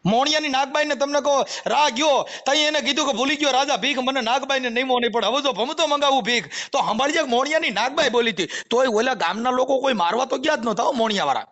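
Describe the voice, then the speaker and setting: High-pitched, fast-talking Gujarati man. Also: a bit bright. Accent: Gujarati, Saurashtra. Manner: insistent, talkative, explaining at length. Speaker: caller, former folk shaman. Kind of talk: argumentative phone conversation. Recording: recorded phone call.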